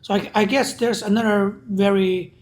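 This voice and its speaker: Husky-voiced host with a Chinese accent. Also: mid-range voice, steady tone, normal speed. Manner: asks short direct questions, repeats answers back. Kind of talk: casual interview.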